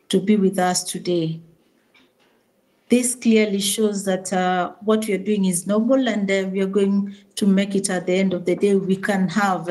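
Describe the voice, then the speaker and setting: A woman speaks to a meeting over a remote link, pausing often with fillers. Her delivery is formal and prayerful, at a middle pitch. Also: a little mellow, low-quality recording. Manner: hesitant, many fillers, preacher-like blessings. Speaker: SACCO CEO addressing members remotely.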